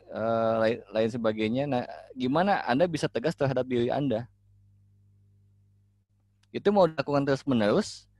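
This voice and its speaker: Man, life coach, casual teaching talk, halting with fillers, mid pitch, dry close sound. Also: no echo. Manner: relaxed, hesitant, many fillers and restarts.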